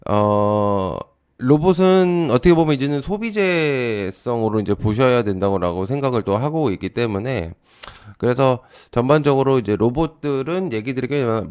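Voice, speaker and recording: Brief: man in the middle pitch range, lively intonation, chatty market-tips host who hedges with fillers. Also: clear, resonant tone. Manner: conversational, frequent fillers and rhetorical checks. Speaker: stock market commentator. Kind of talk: casual market commentary.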